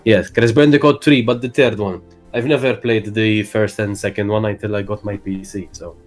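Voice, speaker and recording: A young man with a Maltese accent answers interview questions in a low, bassy voice, pausing often to search for words. Faint music plays softly behind him. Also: steady tone. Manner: hesitant, many fillers, calls his own voice bassy. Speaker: guest streamer. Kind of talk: casual interview chat.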